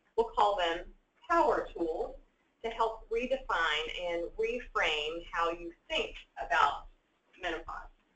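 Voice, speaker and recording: A woman talks at a very slow pace, with long, frequent pauses. Audible room echo surrounds her voice. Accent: American. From Alabama, US South. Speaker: physician, OB-GYN. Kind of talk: public health lecture. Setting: stage with audience. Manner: animated.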